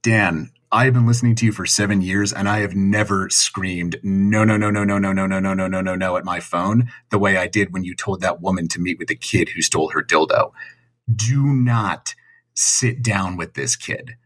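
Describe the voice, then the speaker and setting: Deep, husky male caller, emphatic. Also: steady tone, moderate pace, fairly bright tone. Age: 30s. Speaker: listener calling in. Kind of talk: casual voicemail message.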